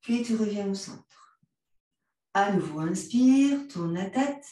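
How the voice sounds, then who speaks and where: A woman with a French accent, gently guiding a yoga class with calm cues. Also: mid-range voice, slow. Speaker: yoga instructor. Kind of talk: guided yoga class instruction. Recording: very echoey room, voice from a distance.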